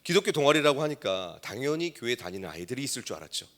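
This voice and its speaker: A middle-aged male pastor preaching a sermon, telling a story and swinging between hushed asides and loud exclamations. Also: mid-range voice, sing-song, racing.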